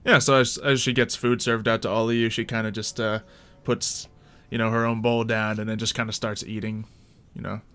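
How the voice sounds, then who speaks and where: A man's voice: on the low side, level tone, fairly quick, fairly bright tone, clear, resonant tone. A man running a tabletop game, narrating casually and improvising as he goes in a conversational, hesitant way. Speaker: game master.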